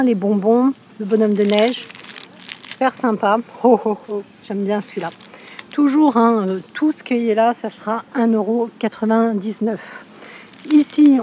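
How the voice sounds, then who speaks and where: A woman with a hoarse voice from a cold, chatting casually as she shows products in a supermarket on a handheld phone. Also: fairly high pitch, darkish tone, a little hiss or hum. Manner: chatty, with frequent fillers. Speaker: shopping vlogger. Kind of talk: casual store walkthrough. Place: inside a supermarket.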